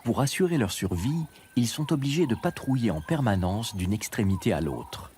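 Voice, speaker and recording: Man, lowish pitch, lively intonation, scripted nature documentary narration, music underneath. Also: moderate pace, a little hiss or hum. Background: background music.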